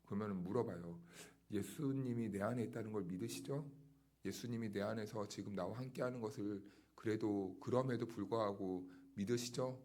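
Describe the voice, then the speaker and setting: A man's voice: on the low side, moderate pace, mellow. A male pastor giving an early-morning sermon, explaining scripture in a conversational way and asking pointed rhetorical questions. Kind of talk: dawn service sermon.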